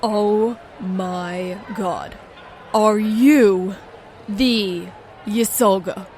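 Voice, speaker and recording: A woman voicing a gushing, pushy male superfan who is loud and insistent, in a tabletop game. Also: mid-range voice, drawn-out words, some chatter behind, slight background noise. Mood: starstruck. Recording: music under the voice.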